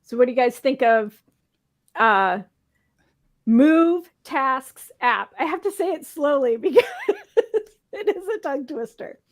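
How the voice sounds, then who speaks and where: A talk show host leads a casual panel chat in a slightly hoarse, somewhat high, darkish voice, speaking expressively and a little fast. She's chatty, laughs often, and keeps tossing rhetorical questions at the panel.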